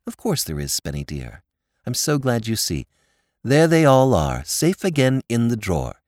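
An earnest young woman pleads and coaxes in a raised voice, as a reader puts her on. Her pitch rises and falls widely, and the recording is dry. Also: big pitch swings, moderate pace, a little mellow, no echo, close to an everyday voice. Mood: soothing. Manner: pleading, soothing. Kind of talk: audiobook character voice.

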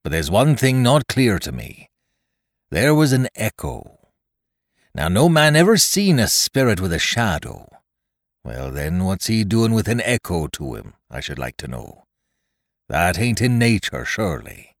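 A man doing a gruff, blustering pirate chief. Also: low voice, huge pitch swings, unhurried, dry recording, studio quality, exaggerated voice. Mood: scoffing. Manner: gruff, blustering sailor talk. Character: cunning, hardy old male pirate leader.

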